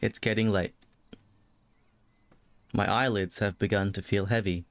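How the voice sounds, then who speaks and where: A man hosting a spooky livestream of a horror game switches between casually chatting with viewers and reading the story text aloud. When chatting he often halts and repeats words, and his voice is lowish with fairly even intonation.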